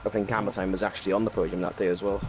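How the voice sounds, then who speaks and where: A Welsh man with a low, flat voice runs loosely through his race, with plenty of ums and restarts. He talks casually into a home microphone, and faint music plays underneath. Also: rapid-fire. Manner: rambling race recap with many fillers. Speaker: racing league driver. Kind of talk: casual post-race chat. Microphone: new home microphone.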